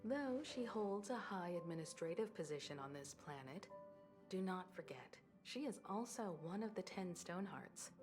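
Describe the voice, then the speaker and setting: An actress playing a composed, responsible woman leading a starship crew in a video game, speaking in a measured, polite way. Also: lowish voice, darkish tone. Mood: reassuring. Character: composed, responsible adult woman crew leader on space train.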